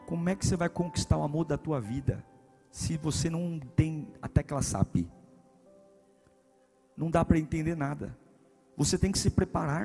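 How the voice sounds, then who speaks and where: Brazilian pastor guy, husky voice, jokey sermon, goes loud then real quiet. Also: fairly high pitch. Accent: Brazilian Portuguese. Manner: emphatic, swings between loud punches and hushed lines. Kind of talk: humorous sermon.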